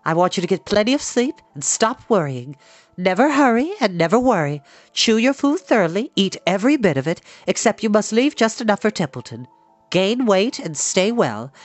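A kindly but firm female spider from a storybook, as a narrator puts her on. She speaks high and with animated intonation, giving calm, crisp instructions like a mother. The recording is dry, with faint music. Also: moderate pace, no echo, natural voice. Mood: instructing, firm.

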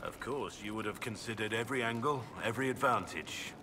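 Deep male voice, earnest gruff warrior, acted by a man, fantasy game dialogue, long reverb, noticeable background noise. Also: moderate pace, close to an everyday voice. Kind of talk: video game dialogue acting.

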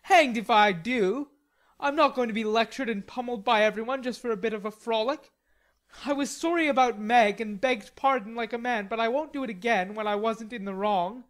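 Woman as an indignant, blustering teenage boy, raised pitch. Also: fairly quick, close to an everyday voice. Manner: petulant, blustering. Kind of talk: storybook character dialogue.

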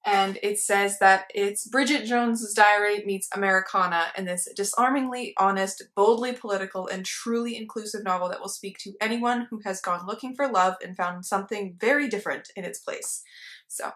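A woman's voice: mid-range voice, moderate pace, a bit bright. A woman in her twenties, a book vlogger talking casually to camera at home, chatty and laughing often between words. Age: 20s. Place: living room with armchairs and a plant.

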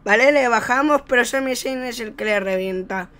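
Casting: Spaniard with a clean, smooth voice for off-the-cuff wrestling commentary on video game play, excitable play-by-play delivery. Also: medium pitch, moderate pace. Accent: Spain. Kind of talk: improvised gameplay commentary.

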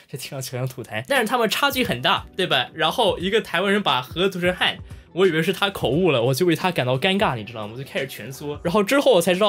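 A man's voice: a little high, fairly bright tone. A man from mainland China hosting a casual video, talking playfully with exaggerated shocked reactions. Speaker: video host. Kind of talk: casual talking-head commentary.

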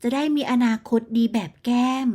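A woman's voice: lively intonation, moderate pace, a little mellow. A woman doing a smug gossiping auntie. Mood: smug boasting. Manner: smug, shrill, bragging about her daughter. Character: boastful gossiping middle-aged neighborhood auntie. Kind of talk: storybook character voice.

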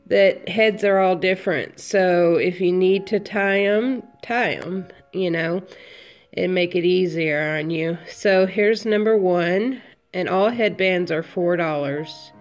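Slow-talking woman with a cold. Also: on the low side, darkish tone. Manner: slow, unhurried item-by-item listing. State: has a cold, sniffling. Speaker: crafter selling handmade headbands. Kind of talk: casual product walkthrough.

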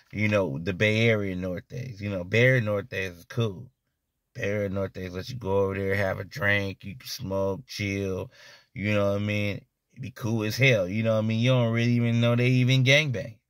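A man with a low voice talks in a loose, rambling street-talk monologue. He keeps checking in with his listener and circles back over his points. The sound is close and dry, with no room around it. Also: no room sound. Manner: rambling, repeats "you know what I mean" often. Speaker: storyteller.

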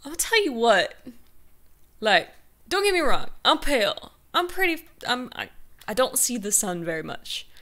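A woman's voice: fairly high pitch, big pitch swings, unhurried, fairly bright tone. A young woman hosting a casual reaction video, chatty and gushing, with a groggy morning voice.

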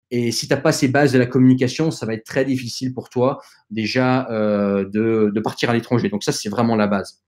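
A man whose first language is not French speaks as a guest on a podcast, offering plain advice to younger listeners. His delivery is hesitant and full of fillers and restarts, but earnest and direct. His voice sits at an ordinary middle pitch. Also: darkish tone. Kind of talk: conversational advice in an interview.

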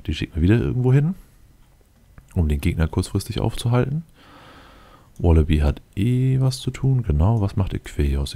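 A man with a very low, gravelly voice talks his way through a game. His tone is dark and mellow, and he mutters casually to himself, thinking aloud and addressing his units directly. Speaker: let's player commenting on his game.

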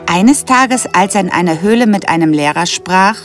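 A woman's voice: on the low side, lively intonation, moderate pace. Female storyteller, scripted fairy-tale narration, music underneath.

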